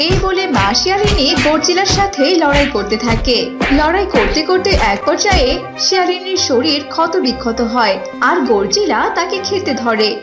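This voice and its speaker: A woman's voice: sits high, very animated, normal speed. A woman narrating a scripted children's cartoon story. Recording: roomy echo, clear music behind.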